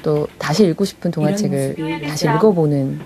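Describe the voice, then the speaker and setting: A woman who hosts a radio program reading fairy tales to adults answers interview questions softly, reflectively and unhurriedly. Her voice sits low over a noisy crowd.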